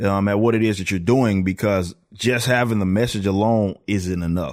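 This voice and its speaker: Very clean recording with a silent background: a man with a fairly low pitch, an ordinary speaking voice and a moderate pace. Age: 30s. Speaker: metal band singer and political commentator. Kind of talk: casual chat.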